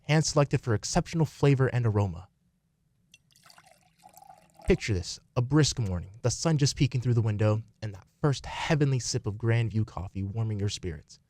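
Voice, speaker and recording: A man's voice: mid-range voice, animated, moderate pace, a little mellow, dry recording. A man reading a scripted commercial as an announcer. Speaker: advert announcer. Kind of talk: scripted coffee commercial read.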